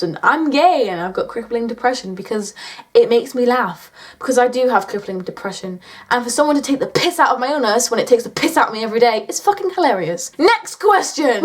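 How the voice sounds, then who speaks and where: A British woman in her late teens chatting casually in a question-and-answer vlog, with a blunt, sweary, joking manner. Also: a little high. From United Kingdom. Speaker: YouTuber answering viewer questions.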